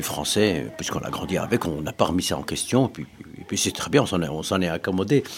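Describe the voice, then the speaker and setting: A man speaks at a moderate pace with a very deep, low pitch. Noticeable background noise can be heard. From Brussels, Moroccan-Belgian family. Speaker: interviewee. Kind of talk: interview. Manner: halting, repeats words.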